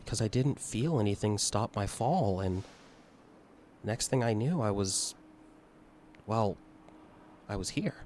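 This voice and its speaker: A man playing a lonely, resigned dead climber in a tabletop game, halting, subdued and unsure. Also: lowish voice, lively intonation, darkish tone, slight background noise. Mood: halting, dazed.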